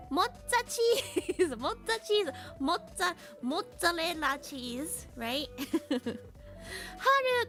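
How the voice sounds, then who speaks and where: High-voiced, giggly woman streamer. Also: bright, forceful tone. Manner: slow, simple English for learners; giggly, upbeat roll call of viewers. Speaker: live streamer. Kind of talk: casual live-stream chat mixing English and Japanese.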